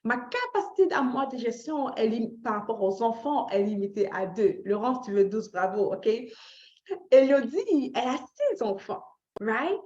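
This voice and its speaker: In a warm, sing-song, slightly high voice at a moderate pace, a Canadian woman teaches personal finance in a relaxed, motivational live talk. Repeated phrases add emphasis, and she questions and checks in with her listeners, adding short English tags. The sound is slightly dull and lo-fi, with a roomy echo.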